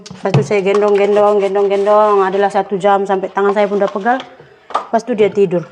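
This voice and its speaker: A woman's voice: mid-range voice, background noise. A tired young woman, chatting to her viewers in a rambling, storytelling way while doing chores at home. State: tired from a sleepless night. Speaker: vlogger. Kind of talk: casual chat to viewers.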